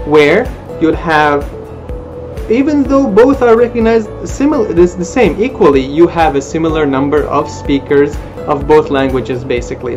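A man in his thirties, native Armenian speaker, giving an expressive, informational talk to camera from a small room. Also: a little high. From Middle East, Arabic-speaking country. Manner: lively, expressive, gestures with hands. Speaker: language school presenter. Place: small indoor room, plain wall. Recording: dull lo-fi webcam audio with music behind.

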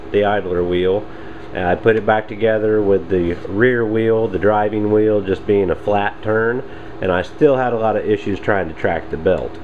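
A deep-voiced hobby machinist reviews a tool in a casual demonstration at his home workshop, with a lathe and bench in a noisy setting. He explains plainly, step by step, without hurrying. The sound is phone-quality, from a handheld camera mic while he stays off screen.

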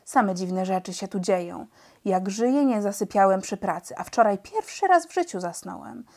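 Storybook voice of a gruff, stubborn one-eyed pilot who bristles with indignation, as a woman reader puts him on. His voice sits mid-pitch and carries a loud, insistent edge. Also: lively intonation, moderate pace. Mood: baffled.

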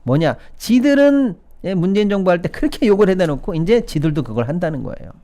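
Middle-aged male commentator, biting and sarcastic, with a lively, swooping delivery. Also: high-pitched, fast talker. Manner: sarcastic, mocks officials in put-on quotes, frequent "예" and "여러분". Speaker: political-economy commentator. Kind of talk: opinionated solo commentary.

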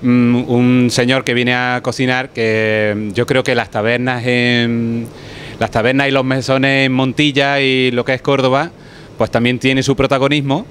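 A man in his fifties, a head chef, explaining in a steady, unhurried way during an interview in a restaurant kitchen on a handheld mic. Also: medium pitch, slight background noise. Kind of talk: casual interview. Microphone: handheld reporter mic.

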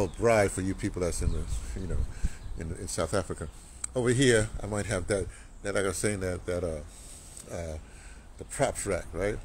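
An older man in a casual vlog, rambling and repeating words as he shows his home and patio, filmed on a phone at arm's length. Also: on the low side. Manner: rambling, repeats words, gestures while explaining. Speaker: vlogger on audio drama. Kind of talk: casual walk-and-talk vlog. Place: small home, then sunny patio outdoors. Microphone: phone camera held at arm's length. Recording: phone recording with clear background noise.

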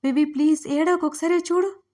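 A woman voicing a caring young man who gently teases and pleads with a friend in an audio story. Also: very high-pitched, level tone, brisk. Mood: worried pleading. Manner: pleading, soothing.

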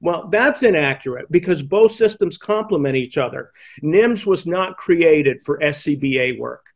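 An American man in his sixties explaining things emphatically in an interview, halting and repeating the starts of words. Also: a little high, expressive. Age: 60s. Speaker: fire command instructor and podcast guest. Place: indoor room, on a video call. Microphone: headset boom mic.

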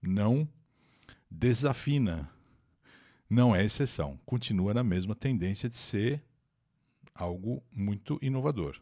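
Hosting a livestreamed English class from Brazil, this man reads and translates an article, greets viewers by name, and chats while explaining vocabulary and pronunciation. His low, warm voice is animated yet measured, with long pauses, captured on a new microphone.

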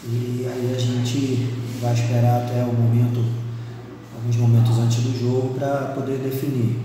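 Male coach soundbite, monotone and dark, roomy distant echo. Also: mid-range voice, noisy background. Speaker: football coach. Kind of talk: interview soundbite. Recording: echoey room, distant mic.

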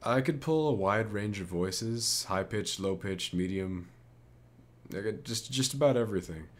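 A man's voice: on the low side, measured pace. A man speaking casually and a little tentatively as an amateur voice actor introducing his work. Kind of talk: casual voice demo narration. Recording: music behind the voice. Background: music.

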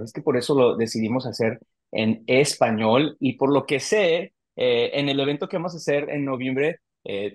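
A man's voice: medium pitch, no echo. A man, hosting a casual interview over a video call and talking with many hesitations and restarts. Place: home office on a video call.

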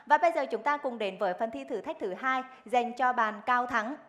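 A young woman presents as a game show host in a high-pitched voice. Her delivery is formal and articulate as she reads questions and addresses contestants from a studio stage. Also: normal speed, fairly bright tone. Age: young adult. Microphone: headset microphone.

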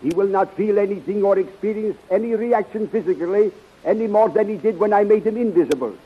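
An actor playing an earnest, fatherly scientist with formal, deliberate phrasing in a 1930s radio adventure. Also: sits high, slight background noise, natural voice. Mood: earnest, cautioning. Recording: muffled, husky-sounding 1930s radio recording.

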